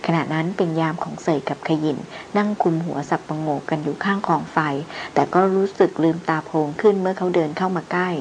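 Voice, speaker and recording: A woman reads a novel aloud in steady, even narration. Her voice is on the low side, and a faint background hiss runs under it. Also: fairly quick, few pauses, rough recording. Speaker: audiobook narrator.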